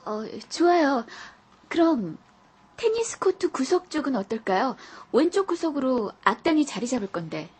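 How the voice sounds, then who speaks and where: A shy, eager young girl, voiced by a woman, speaks in an audiobook, bashful and prone to stammering. Her voice is high and flits up and down in lively swoops. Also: normal speed, breathy edge, exaggerated voice. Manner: bashful, stammering when nervous.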